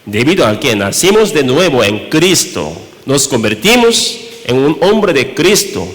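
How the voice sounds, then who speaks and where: A man from Korea with a Korean accent, preaching a sermon in Spanish as pastor, halting, with many rhetorical questions. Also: mid-range voice, sing-song, a bit bright. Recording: reverberant church hall.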